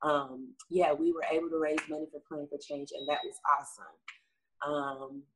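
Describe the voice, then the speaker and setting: A woman's voice: low voice, fairly even intonation, normal speed, a little hiss or hum, low-quality recording. A woman from the American South, a singer, chatting upbeat in an interview with many fillers. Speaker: singer, guest. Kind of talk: casual interview answers.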